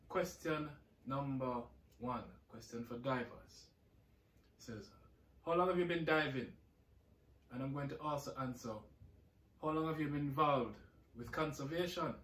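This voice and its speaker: A man's voice: medium pitch, a little slow, long pauses, a bit bright, a little hiss or hum. A man in his forties from Jamaica with a Jamaican accent, casually answering interview questions and rambling with repeated words. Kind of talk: casual recorded answers, reading questions aloud. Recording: roomy, distant from the mic.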